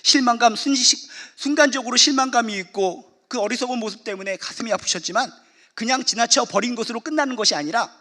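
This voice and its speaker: A man's voice: extremely high pitch, quick pace, sharp tone. A male pastor preaching a sermon emphatically, repeating key phrases for effect.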